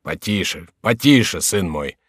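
A man's voice: low-pitched, expressive, a little slow, slightly rough, no echo, studio quality, exaggerated voice. A man voicing a volatile, anguished adult male king in a storybook reading. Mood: agitated. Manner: agitated, imploring, wrathful.

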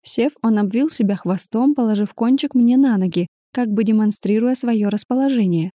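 A woman's voice: on the high side, moderate pace, mellow, no echo, clean studio sound. Woman narrating a first-person audiobook.

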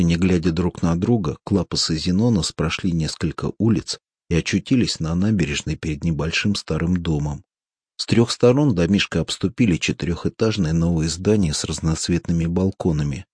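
A man with a very low voice and a husky edge narrates a novel aloud at a steady, measured pace. The recording is dry and close. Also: no room sound. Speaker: audiobook narrator. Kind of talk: scripted narration.

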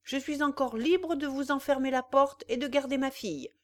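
A woman's voice: high voice, normal speed, voice pushed up, close to an everyday voice. A woman reading a proud, indignant old farmer with white hair, speaking sternly. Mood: stern indignation. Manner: stern and forceful.

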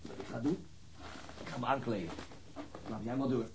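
A man's voice: medium pitch, moderate pace, background noise, natural voice. An actor in a radio drama playing a weary, driven male detective, no longer young, with a terse delivery. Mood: tired, curt. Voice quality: husky. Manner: terse, dogged.

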